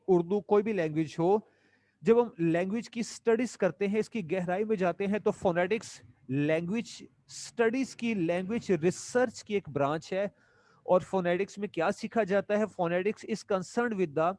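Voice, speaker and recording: Guy lecturing, highish voice, reads english lines slow then explains in urdu, dry close mic. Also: a little mellow, no echo. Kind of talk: classroom lecture.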